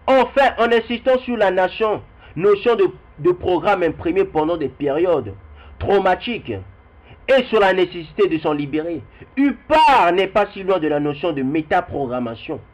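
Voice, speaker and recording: Young guy, high voice, rambling video talk to his viewers, repeats himself a lot, muffled lo-fi sound. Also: lively intonation, normal speed. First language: Kikongo heritage language. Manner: rambling, repeats words, addresses viewers directly. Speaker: video commentator. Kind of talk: spoken video commentary with readings. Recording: dull lo-fi recording.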